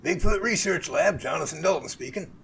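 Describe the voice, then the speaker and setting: A man's voice: a little high, lively intonation, a little fast, vocal fry, a bit bright, a little hiss or hum. A man playing a weary, folksy professor who runs a Bigfoot lab, in an amateur audio drama with an easygoing delivery. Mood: curious, friendly.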